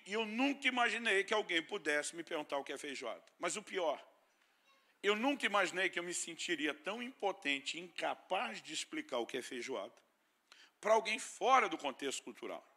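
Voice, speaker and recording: Bright-voiced Brazilian preacher telling stories. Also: male voice, high voice. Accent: Brazilian Portuguese. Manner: storytelling preacher with playful humor. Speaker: pastor. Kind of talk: sermon.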